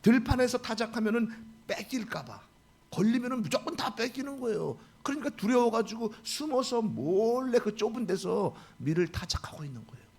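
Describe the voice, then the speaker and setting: Male pastor in his forties, animated sermon delivery, high husky voice. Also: normal speed. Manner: animated, acts out dialogue in quotes.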